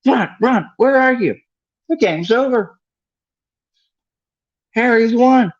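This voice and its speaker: A man voicing an excitable schoolgirl who shrieks her cheers in a storybook reading. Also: very high-pitched, slow, lo-fi sound, voice pushed up, full character voice. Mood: excited shrieking.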